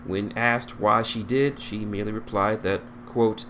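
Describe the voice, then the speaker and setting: A man's voice: on the low side, steady tone, a little slow, background noise. A man reading a story aloud as narrator, now and then stumbling and rereading a phrase. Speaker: fan fiction reader.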